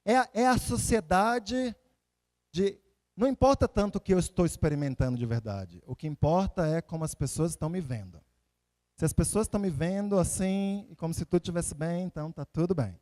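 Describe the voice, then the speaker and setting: A male preacher with a notably high-pitched voice. He delivers a conversational sermon like a storyteller, repeating phrases for emphasis and putting rhetorical questions to his listeners. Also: animated, fairly quick, dark tone. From Salvador, Bahia, Brazil. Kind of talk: conversational sermon with personal anecdotes and scripture readings.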